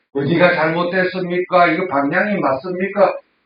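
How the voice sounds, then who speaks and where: A man with a Gyeongsang accent speaks amid audible room echo. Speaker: former judge giving AI lecture. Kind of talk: lecture. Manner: animated.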